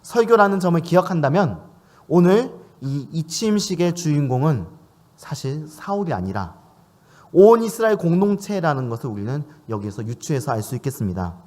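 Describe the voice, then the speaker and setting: A man's voice: a little high, animated, fairly quick, darkish tone. A man preaching a sermon in church, asking questions of his listeners as he speaks. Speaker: pastor.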